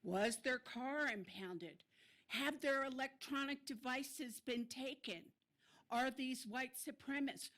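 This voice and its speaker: An older woman addresses a city council with deep feeling, her indignation pushing every sentence forward. Her voice sits high and sounds bright and cutting. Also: takes it slowly. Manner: emotional, indignant, insistent. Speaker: public commenter at a city council meeting. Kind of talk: impassioned public comment.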